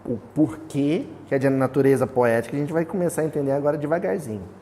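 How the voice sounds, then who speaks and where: A man's voice: fairly high pitch, quick pace, mellow. A man with a Brazilian accent teaching a small study group. He keeps asking the group questions, answers them himself, and declaims the verses he quotes. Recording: reverberant hall with faint hiss.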